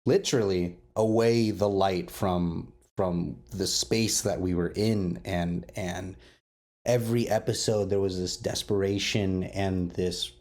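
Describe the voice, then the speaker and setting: A man's voice: low-pitched, steady tone, slow, darkish tone. A man hosting a roundtable interview, effusive and enthusiastic, repeating words as he searches for the next one. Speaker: podcast host interviewing creators.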